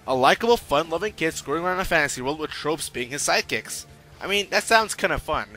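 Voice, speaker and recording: A man's voice: on the high side, animated, fast, bright, forceful tone, faint music behind. A man giving a casual, opinionated video review as host, irreverent, sarcastic and slangy in his delivery.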